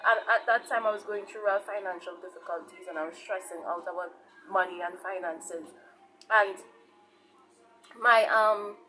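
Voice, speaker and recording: A woman's voice: mid-range voice, noisy background. A woman from Saint Vincent and Trinidad with a Caribbean accent, giving informal testimony as an online preacher, repeating herself and often checking in with her listeners. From Saint Vincent, grew up in Trinidad. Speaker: online preacher and channel host.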